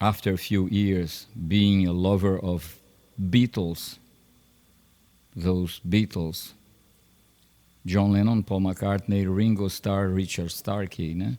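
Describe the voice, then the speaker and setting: A man's very deep, low voice with a dark, mellow tone and a Brazilian Portuguese accent, very slow with long, frequent pauses and fairly even intonation, on a very clean recording with a silent background. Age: old. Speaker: internet radio host. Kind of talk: casual monologue. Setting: live stream. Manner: halting.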